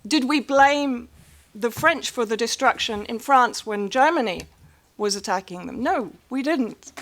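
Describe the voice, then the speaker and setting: A woman's voice: fairly high pitch, expressive, takes it slowly, a bit bright. A woman speaking on a press panel, firm and rhetorical in her argument.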